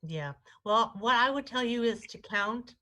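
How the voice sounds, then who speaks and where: On a wellness show she co-hosts, this astrologer reads for callers live in a warm, talkative manner, frequently starting over. She speaks a little slowly, with a sharp, fairly high voice and lively intonation.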